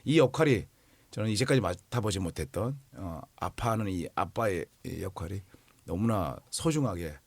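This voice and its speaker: A man in his forties, an actor, talking earnestly about a role in an interview, pausing often to find his words. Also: low-pitched, lively intonation, creaky, slightly rough, no echo. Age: 40s. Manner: earnest, searching for words with many fillers. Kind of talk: film promotion interview.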